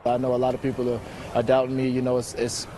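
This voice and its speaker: A man's voice: mid-range voice, monotone, fast, warm tone, a little hiss or hum. A man answering interview questions as a football player. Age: 20s.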